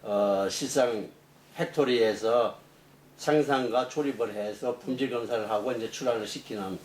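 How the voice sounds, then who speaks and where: An engineering professor in middle age, appearing as an interview guest, explains technical topics off the cuff, halting and rephrasing as he goes. His voice is medium-pitched and a little mellow, recorded on a distant mic in an echoey room with faint noise.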